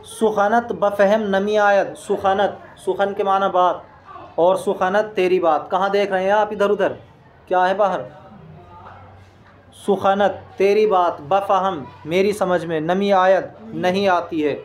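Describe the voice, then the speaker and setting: High-voiced male teacher glossing a text. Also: steady tone, slow pace, a little hiss or hum. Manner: reads each phrase, then glosses it word by word; patient, repetitive explaining. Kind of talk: lesson reading and translating a Persian text.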